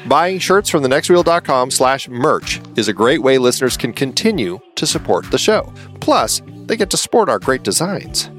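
A man's voice: medium pitch, very animated, moderate pace, few pauses, fairly bright tone, soft background music. A man co-hosting a film podcast, bantering through a scripted sponsor and merch spot in a mock-sarcastic way. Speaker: podcast host. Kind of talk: scripted ad read.

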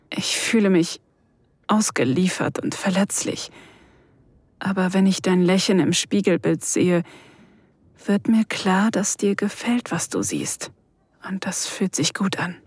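Acting as a shy, vulnerable mature woman, a female performer narrates an erotic audio drama softly and breathily, often sinking into a whisper. Her voice is mid-range and husky, and the recording is dry.

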